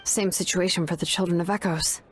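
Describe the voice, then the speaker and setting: A woman's voice: on the low side, steady tone, brisk, lightly acted. A woman playing a kind, supportive young tribal warrior in a video game, speaking in an encouraging, conversational way. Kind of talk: scripted video game voice acting.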